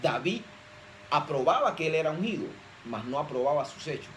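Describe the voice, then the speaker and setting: Preacher going hard at it, lots of rhetorical questions, mid pitch, bit of faint hiss. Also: very animated, fairly quick, a bit bright, poor audio. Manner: emphatic, asks rhetorical questions. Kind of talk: sermon.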